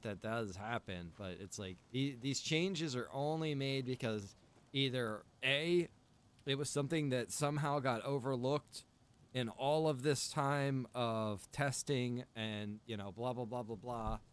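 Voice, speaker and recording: A man of middling pitch talks off the cuff as a game streamer who runs his own server. He speaks informally and loosely, circling back and repeating phrases as he works through a thought. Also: slight background noise. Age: adult, past early twenties. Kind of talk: casual livestream chat while gaming.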